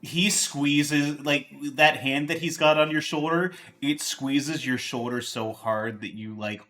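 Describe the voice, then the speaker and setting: A man speaking casually as a game master, narrating in a halting, rambling, informal way. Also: a little high, steady tone, sharp tone.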